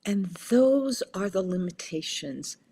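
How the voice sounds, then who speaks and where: A woman speaking as a spiritual guide in conversation, with a deliberate, affirming manner and measured phrasing. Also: medium pitch, expressive, mellow, slightly rough. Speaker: spiritual healing guide, podcast guest.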